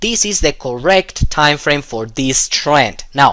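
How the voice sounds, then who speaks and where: A man speaks with a non-native accent. His tone is bright and sharp, and his intonation lively. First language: not English. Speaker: trading educator. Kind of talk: tutorial. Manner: halting, many fillers.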